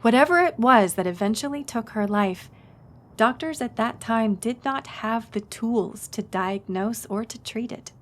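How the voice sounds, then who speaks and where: A woman's voice: on the high side, a little slow, lightly acted. A woman playing a friendly, knowledgeable historic house tour guide in an audio roleplay, speaking in an informative, conversational way. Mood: informative, engaged. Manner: conversational, informative, engages the listener with questions.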